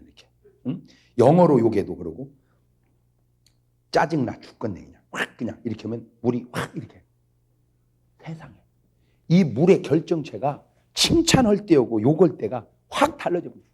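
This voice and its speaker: A male pastor giving a humorous revival sermon. He is jokey, keeps prodding the congregation with quick questions, and swings between low asides and loud exclamations. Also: husky.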